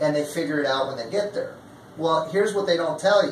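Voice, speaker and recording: There is noticeable background noise and audible room echo as a man with a high pitch speaks in an American accent. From Togo, West Africa. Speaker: English school academic director. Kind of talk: interview.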